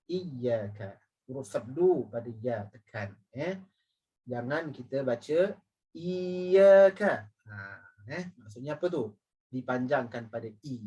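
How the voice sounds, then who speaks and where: Husky-voiced man teaching slow recitation. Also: medium pitch. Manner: drills phrases slowly, repeating and correcting. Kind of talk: tajwid lesson, correcting recitation. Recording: voice distant from the mic.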